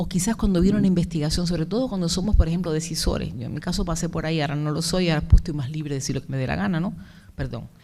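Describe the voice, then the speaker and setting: Speaking at a very fast pace, a woman with a fairly low pitch and a dark, mellow tone uses ordinary pitch variation, with audible room echo around her. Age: 50s. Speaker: researcher. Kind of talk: lecture. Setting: seminar with audience. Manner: animated.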